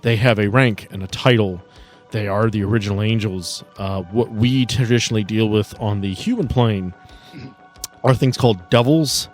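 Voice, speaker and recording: A man's voice: lowish voice, moderate pace, faint music behind. A man working as game master, narrating and explaining lore phrase by phrase for a tabletop game.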